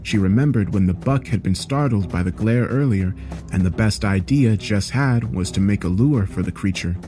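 A man reading a scripted horror story in a measured, serious way, as a storyteller. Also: fairly low pitch, mellow. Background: background music.

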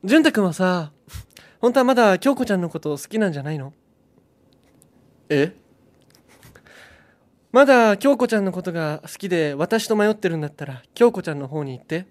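A jilted young woman in a comedy sketch, pleading with her boyfriend, then turning brash and blustering in a put-on Kansai dialect, as a young man performs her. Her pitch rises and falls freely across the lines. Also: expressive, a little fast, long pauses. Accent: put-on Kansai dialect in punchline.

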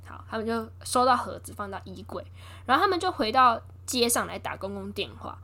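Young woman host, higher voice, animated storyteller who acts out quotes. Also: a little fast. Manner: lively, acts out quotes with voice shifts and laughs. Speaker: host retelling a film. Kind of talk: casual storytelling chat.

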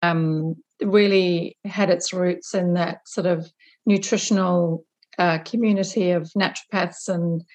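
A middle-aged woman from Zimbabwe with a fairly low voice speaks as a guest in an interview. She is a business owner giving conversational answers about herself and her work. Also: fairly even intonation, a little slow, darkish tone.

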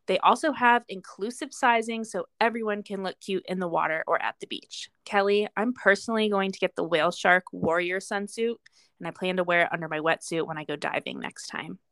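A woman's voice: medium pitch, fairly quick, fairly bright tone, dry recording. A woman co-hosting a podcast, speaking in an informal, chatty way. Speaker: podcast co-host. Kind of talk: casual chat and read sponsor spots.

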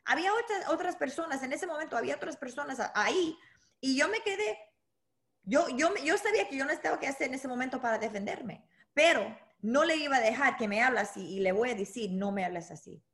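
A woman being interviewed as a boxing coach, talking in halting bursts with restarts and dropping in English words. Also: high-pitched, animated, fairly bright tone. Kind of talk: conversational interview.

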